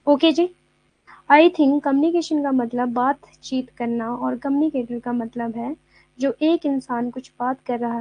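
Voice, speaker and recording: A woman teaching an online exam-prep lecture. She explains by repeating words and reads English notes slowly. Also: high-pitched, no echo, highs cut off.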